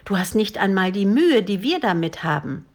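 A woman's voice: very animated, normal speed, darkish tone. A woman doing a bold, chatty little girl. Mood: eager. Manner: high, eager, scolding. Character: brave, chatty little girl, cheeky and kind.

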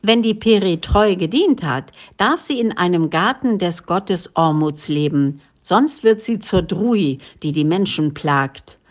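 A woman's voice: on the low side, animated, a little slow, hardly any pauses. A woman reading the part of an eager male villager who explains folk beliefs in an insistent way.

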